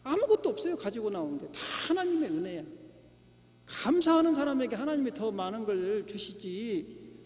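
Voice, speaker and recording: A middle-aged man preaching a sermon as a pastor, emphatic, with rhetorical questions and shouts of hallelujah. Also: extremely high pitch, big pitch swings, normal speed. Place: church sanctuary. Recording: long church hall reverb.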